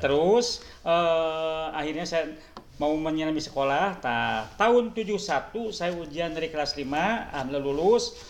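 Audible room echo surrounds a man speaking at a fairly slow pace with a fairly high pitch and ordinary pitch variation. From West Java, Ciamis. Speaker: blind hospital laundry worker. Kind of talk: interview. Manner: halting.

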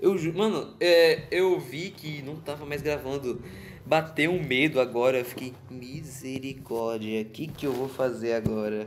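Music plays in the background as someone speaks at a fairly slow pace in a Brazilian accent. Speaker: podcaster. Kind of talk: casual solo monologue.

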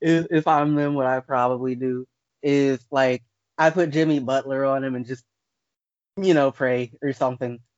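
This man has an ordinary speaking voice at a medium pitch. He keeps a moderate pace and fairly even intonation. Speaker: podcast co-host. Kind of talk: casual chat about basketball. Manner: casual, filler-heavy, analytical.

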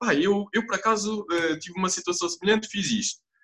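The speech moves along at a moderate pace. Its pitch rises and falls in an ordinary way. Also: man. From Portugal, Proença Nova area (Beira Baixa). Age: 20s. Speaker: young winemaker. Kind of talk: casual interview. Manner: halting, many repetitions.

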